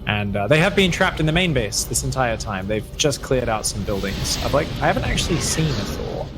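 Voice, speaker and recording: A man casting a live esports match with energetic, hyping play-by-play and frequent fillers. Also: mid-range voice, a little fast, loud music behind the voice. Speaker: esports caster.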